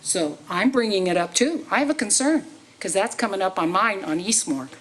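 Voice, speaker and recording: A woman's voice: mid-range voice, animated, moderate pace, fairly bright tone, low-quality recording. A woman speaking at the podium during public comment at a city council meeting, pressing the council with questions.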